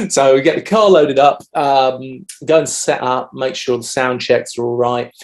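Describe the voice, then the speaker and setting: A man in his thirties speaks at a steady, measured pace, with a noticeably gravelly, fry-laden edge to his mid-pitched voice. He pauses often on "um" while answering questions. The sound comes through a home video call mic. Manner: measured, frequent "um" fillers. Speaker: DJ and podcast guest. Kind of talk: casual interview answers.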